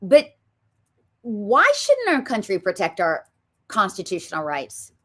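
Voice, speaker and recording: A woman's voice: mid-range voice, wildly swooping pitch, a little slow, a bit bright. A woman with a Southern US accent, hosting a political talk show and speaking emphatically, with frequent ums. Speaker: show host.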